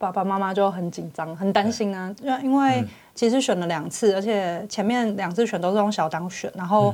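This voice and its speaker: A woman talks in a normal speaking voice at a fairly quick pace, with hardly any pauses. Her pitch is medium, with ordinary variation. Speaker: legislative candidate. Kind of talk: interview.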